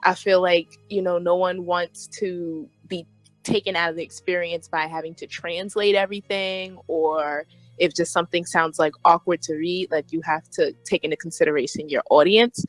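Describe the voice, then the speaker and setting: Woman podcast guest, on the lower side, frank and emphatic, chatting casually w music behind. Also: fairly even intonation, normal speed, dry recording, rough recording. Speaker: podcast guest, fanfiction writer. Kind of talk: casual opinionated discussion.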